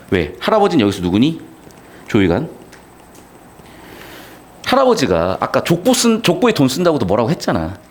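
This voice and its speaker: A man in his thirties, a literature teacher giving a casual, chatty lecture with slangy asides. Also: mid-range voice.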